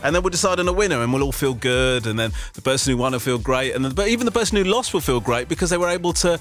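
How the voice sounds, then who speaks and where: A man hosting a radio call-in game, chatting in a lively, self-deprecating way with joking asides. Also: medium pitch, very fast. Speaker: radio host.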